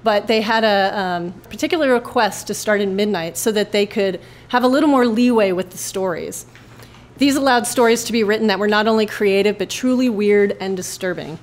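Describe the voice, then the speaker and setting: A woman's voice: medium pitch, a little fast. A woman hosting and narrating a radio drama podcast, reading scripted introductions live in a club. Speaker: host and writer.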